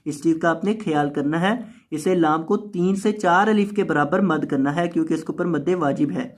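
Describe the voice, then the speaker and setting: A man with a South Asian Urdu accent teaching Quran recitation with tajweed, spelling out letters and vowels, then chanting the verses in long drawn-out tones between quick explanations. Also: on the high side. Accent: Urdu-speaking South Asian.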